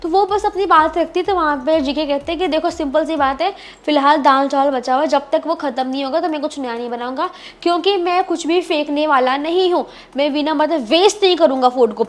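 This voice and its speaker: A woman's voice: high-pitched, a little fast, few pauses. A woman casually recapping a reality show, chatty and repetitive, often addressing listeners as "bhai" and mixing English words into her talk. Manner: mixes English words into Hindi.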